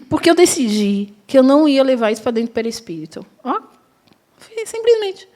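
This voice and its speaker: A woman's voice: high voice, normal speed. A middle-aged woman teaching a class, telling a personal story and acting out the dialogue. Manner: animated storytelling, acts out dialogue. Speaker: spiritist course teacher. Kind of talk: classroom lecture with personal anecdote.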